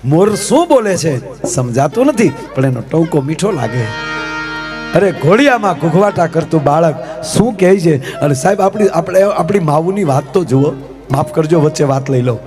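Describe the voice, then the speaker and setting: Male folk comic, high voice, chatty stage storytelling with music behind. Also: expressive, normal speed. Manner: chatty, addresses the audience as "sir", rhetorical questions.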